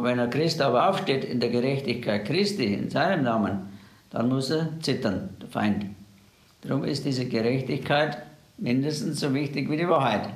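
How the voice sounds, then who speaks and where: A man's voice: medium pitch, reverberant. A man preaching a sermon, earnestly addressing the listener directly.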